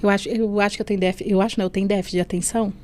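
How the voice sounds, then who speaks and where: Woman, podcast guest, heartfelt faith testimony, recreates remembered dialogue, steady mid-range pitch. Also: very fast. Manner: storytelling that acts out remembered dialogue; leans on tag questions and softening fillers. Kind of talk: emotional personal testimony. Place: podcast studio.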